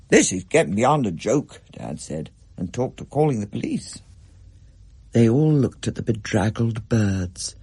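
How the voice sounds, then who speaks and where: A man narrating a scripted story in an expressive, measured way. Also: medium pitch, gravelly, slightly rough, dry recording.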